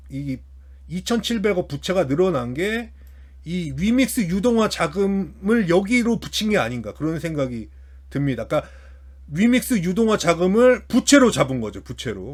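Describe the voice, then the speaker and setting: A man's voice: high voice, a little mellow. A man hosting a finance commentary, talking through an analysis unscripted and hesitantly, often repeating and restarting his phrases. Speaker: host of a finance commentary channel.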